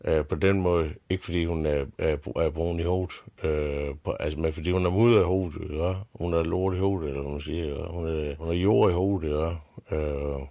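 Deep gravelly Danish man rambling a story. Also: steady tone, hardly any pauses, warm tone, no echo. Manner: crude, swearing, full of fillers and restarts. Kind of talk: rambling comic bedtime-story retelling.

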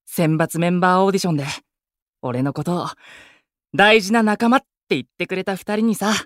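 A male actor playing an exuberant, warm-hearted young idol who teases his friends in rough, boyish speech in a Japanese voice drama. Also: sits high, fairly quick, no room sound, clean studio sound. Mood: affectionate. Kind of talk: Japanese anime-style voice drama acting.

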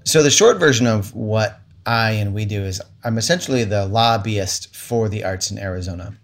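Lower-voiced man explaining casually. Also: moderate pace. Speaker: arts lobbyist. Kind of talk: interview soundbite.

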